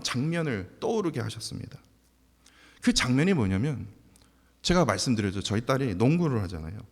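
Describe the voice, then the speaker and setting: A pastor, a man, preaching a sermon and telling a story animatedly, laughing now and then. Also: mid-range voice. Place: church sanctuary. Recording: long church hall reverb.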